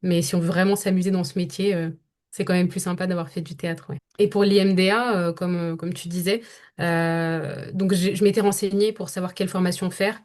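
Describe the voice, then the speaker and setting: A young woman with a fairly low voice answers interview questions about her voice-over work. She thinks aloud, stops often and restarts her sentences. She speaks French as her first language. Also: steady tone, fairly quick, a little mellow. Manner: thoughtful, many hesitations and restarts. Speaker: voice-over actress, guest. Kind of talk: podcast interview conversation.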